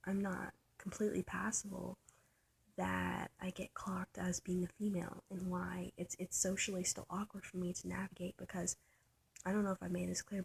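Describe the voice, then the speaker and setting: A trans man with a soft, light voice, thinking aloud in a personal vlog, halting and searching, often trailing into a whisper. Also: high voice, vocal fry, a little hiss or hum. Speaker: vlogger. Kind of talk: personal reflective vlog monologue.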